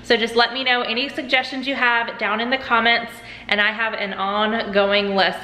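A woman's voice: mid-range voice, sharp tone. A woman in her thirties hosts a casual cook-along from her home kitchen. She sounds chatty and upbeat, guiding viewers step by step, recorded close on a camera mic. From United States. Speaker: cooking channel host. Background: dishwasher running in the background.

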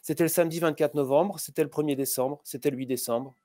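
A middle-aged man interviews a writer over a webcam, his voice sitting a little high for a man. He hesitates constantly, filling gaps with drawn-out filler sounds. The sound is dry and close, with no room around it. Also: steady tone, dark tone, dry recording. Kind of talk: literary interview on a video call. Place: room with posters behind. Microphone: webcam on a video call.

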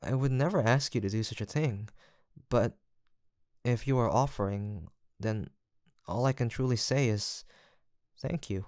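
A man playing a gentle, earnest apothecary in a fantasy audio roleplay, soft-spoken, formal and courteous, with some hesitation. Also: medium pitch, unhurried, no room sound, clean studio sound, close to an everyday voice. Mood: touched, grateful. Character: gentle, earnest, guilt-haunted male apothecary in fantasy village. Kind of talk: soft, sweet roleplay acting addressed to the listener.

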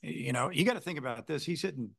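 A man's voice: fairly high pitch, lively intonation, fast talker, vocal fry, fairly bright tone, slightly rough, dry recording. A male baseball head coach answering reporters after a game, rambling with lots of "you know" fillers and restarts. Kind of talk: postgame press conference answers.

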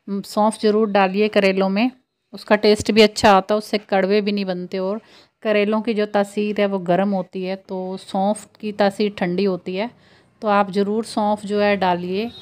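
A woman in her thirties, a home cooking vlogger, chatting to viewers as she explains each step. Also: mid-range voice. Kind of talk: casual cooking voice-over.

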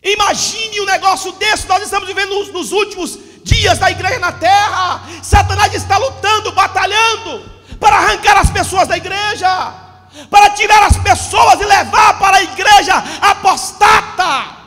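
Fervent shouting preacher man in his forties. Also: very high voice, normal speed, faint music behind, some chatter behind. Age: 40s. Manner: fervent, often shouting and gesturing with a handheld mic. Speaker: pastor. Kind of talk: impassioned Pentecostal sermon. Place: church hall with a stage backdrop. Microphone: handheld microphone. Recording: long hall reverb.

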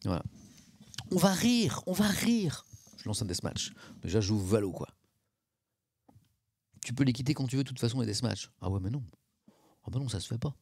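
A man's voice: on the low side, a little fast, long pauses, a little mellow, husky, no echo. A man, chatting casually on a live stream, reacting to chat and mocking himself.

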